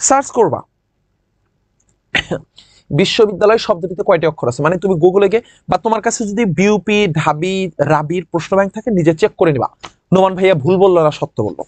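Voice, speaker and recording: A man's voice: high-pitched, fast, pauses often, darkish tone, no echo. A man teaching an online class, teasing and calling on his students by name.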